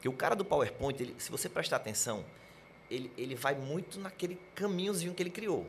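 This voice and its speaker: Pitched high for a man, his voice carries lively intonation at a fairly quick pace. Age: 40s. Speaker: pharmaceutical industry manager. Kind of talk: live podcast interview. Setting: live event with audience. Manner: calm.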